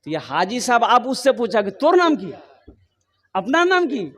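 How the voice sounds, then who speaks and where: A man's voice: very high-pitched, big pitch swings, a bit bright. A man preaching at a mosque gathering, calling out to the crowd and drawing out his repeated phrases. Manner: calls out to the crowd, drawn-out repetitions. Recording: echoey hall with long reverb.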